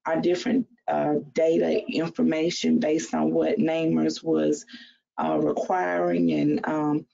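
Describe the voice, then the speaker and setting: A woman gives a hesitant update in an online meeting. Her voice is heavy with vocal fry and mellow in tone. The audio is slightly dull. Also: low voice, little pitch movement, unhurried. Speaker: state agency representative. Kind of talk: informal progress report in a meeting.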